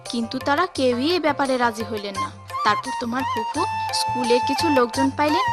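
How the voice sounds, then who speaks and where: Hopeful young working girl, soft earnest voice, music under; woman actor. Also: high voice. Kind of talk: cartoon voice acting.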